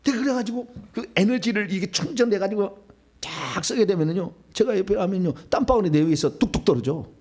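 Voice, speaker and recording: Male pastor preaching in a church, animated storyteller, slightly high and husky delivery. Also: fairly quick. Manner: animated storytelling, sudden shouted commands. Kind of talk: charismatic sermon at a Friday prayer meeting. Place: church sanctuary.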